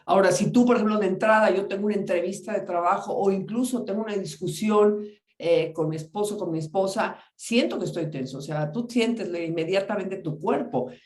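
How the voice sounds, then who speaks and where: A woman's voice: medium pitch, fairly quick, a little mellow, roomy sound. A woman, hosting an interview, asking engaged questions and affirming the guest's answers. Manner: engaged, asks questions and affirms with short replies. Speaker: host.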